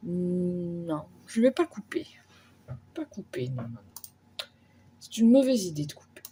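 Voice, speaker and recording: In a dry, close sound with no echo, a woman with a fairly low pitch and a dark, mellow, somewhat breathy tone speaks at a very slow pace with long, frequent pauses, very wide pitch swings and big swings in loudness. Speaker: cross-stitch video creator. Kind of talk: casual vlog talk. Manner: hesitant, thinking aloud.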